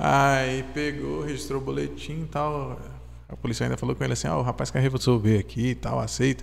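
Very deep and low in pitch, a man talks at a fairly quick pace with very wide pitch swings. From Montes Claros, Minas Gerais, Brazil. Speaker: podcast host. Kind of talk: casual chat.

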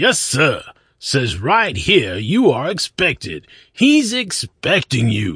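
A man puts on a character voice at a fairly high pitch. He goes at a very slow pace, and the sound is dry and close with no echo. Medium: read story. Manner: eager, formal, repetitive.

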